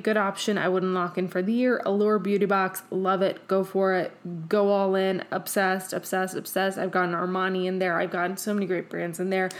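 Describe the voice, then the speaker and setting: A woman who speaks English as a second language, hosting a podcast with casual, opinionated solo talk in an effusive, emphatic, tangent-prone way. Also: medium pitch. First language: not English. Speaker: podcast host.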